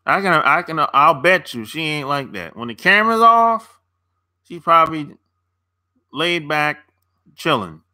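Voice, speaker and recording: A man's voice: a little high, lively intonation, a little slow, long pauses, pushed and bright. A man hosting a casual livestream, answering viewer comments in a laid-back, slangy way and laughing often between remarks. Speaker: dating coach and channel host.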